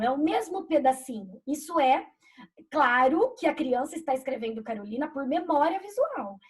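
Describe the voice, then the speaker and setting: A high, somewhat husky-voiced woman talks in a lively way during a live discussion for teachers. She explains a literacy concept through concrete classroom examples.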